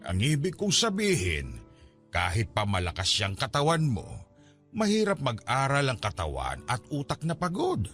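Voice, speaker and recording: A stubborn, ailing Filipino father in his middle years in a radio drama. His pitch swings dramatically as he insists and protests, clearing his throat, over faint background music. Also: huge pitch swings, normal speed, a bit bright. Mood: worried, insistent. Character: stubborn, hardworking ailing father of a student daughter.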